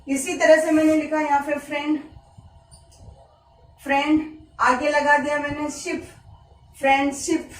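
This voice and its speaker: A woman with an Indian accent gives a slow classroom grammar lesson in a high voice, repeating each example word. She is recorded from some distance in an echoey room. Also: flat delivery, slight background noise. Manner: repeats example words slowly, explaining in Hindi. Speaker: teacher.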